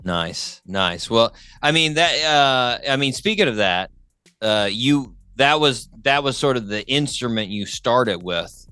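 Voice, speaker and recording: A man's voice: mid-range voice, animated, measured pace, sharp tone, clean tone, no echo. A man hosting a music interview in a casual, enthusiastic way, often repeating his phrases. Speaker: talk show host.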